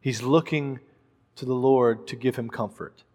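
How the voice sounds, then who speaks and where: A man's voice: medium pitch, steady tone, measured pace, darkish tone, in a large hall. A man preaching a sermon, earnest and emphatic, repeating phrases for stress.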